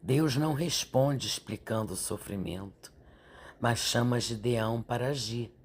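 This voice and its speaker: A woman, stuffy and nasal from a sore throat, leading a slow, gentle Bible meditation and prayer. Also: very deep voice, breathy edge. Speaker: Bible devotional teacher.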